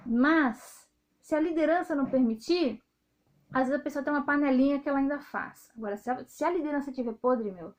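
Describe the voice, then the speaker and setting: A Brazilian woman in her thirties, speaking with a Brazilian accent, talking straight to her viewers in a loud, outspoken, indignant way. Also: sits high. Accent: Brazilian Portuguese. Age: 30s. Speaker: video host. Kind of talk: casual monologue to viewers.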